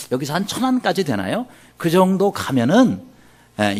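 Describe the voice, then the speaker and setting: A man preaching a sermon, telling a story with lively acted-out dialogue. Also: fairly high pitch. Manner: animated storyteller acting out quoted dialogue. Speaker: pastor.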